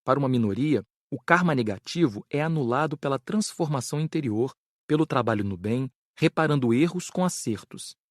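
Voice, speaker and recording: Frederico, measured Brazilian spirit teacher played by a man. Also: medium pitch, lively intonation, dry recording, clean studio sound, lightly acted. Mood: measured, instructive. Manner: measured, didactic, careful enunciation. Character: Frederico, earnest spirit doctor teaching karma. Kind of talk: dramatized audiobook lecture.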